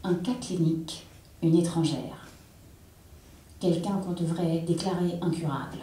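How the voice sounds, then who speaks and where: Woman reading low in an echoing hall. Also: warm tone. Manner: intense, measured dramatic reading. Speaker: reader. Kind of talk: literary reading aloud. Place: theatre stage. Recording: echoey hall, distant mic.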